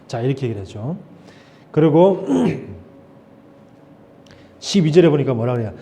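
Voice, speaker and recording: A man preaching a Sunday sermon in church, conversational and animated, asking the congregation questions. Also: mid-range voice, measured pace, a little hiss or hum. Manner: animated, acts out quoted voices of God and Moses. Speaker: pastor. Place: church sanctuary.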